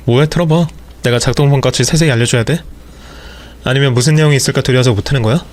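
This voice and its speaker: A man's voice: medium pitch, fast talker, natural voice. A man voicing an angry husband who speaks harshly and accusingly to his wife.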